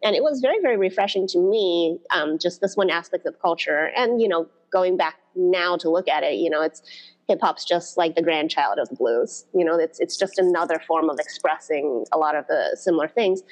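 A woman's voice: fairly low pitch, fairly quick, rough recording. A woman guest on a podcast interview, talking in a reflective, storytelling way about her background. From United States. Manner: reflective, storytelling, frequent "you know". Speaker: podcast guest, blues dance organizer. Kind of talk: conversational interview.

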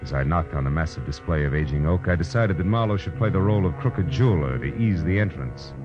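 An actor playing a wry, hard-boiled private detective in a 1940s radio drama, dry, laconic and unflappable. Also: male voice, deep voice, lively intonation, fast talker. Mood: dry narration. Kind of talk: 1940s radio acting, noir first-person narration and dialogue. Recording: dull old radio recording with music.

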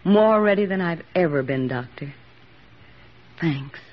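A woman's voice: fairly low pitch, animated, measured pace. A woman playing an earnest young army nurse in a 1940s radio drama, speaking with heartfelt sincerity. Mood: quiet. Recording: dull old radio broadcast recording.

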